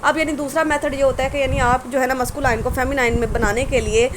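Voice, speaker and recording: A woman teaching a grammar lesson, explaining in Hindi-Urdu and reading rules and word lists aloud slowly. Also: high voice, steady tone, noisy background. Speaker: English teacher.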